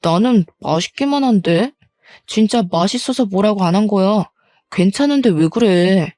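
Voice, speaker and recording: A woman's voice: medium pitch, animated, normal speed, mellow, dry recording, clean studio sound, faint music behind, natural voice. A woman voicing a mild young husband who soothes his wife and pleads with his mother. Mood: soothing. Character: gentle placating young husband.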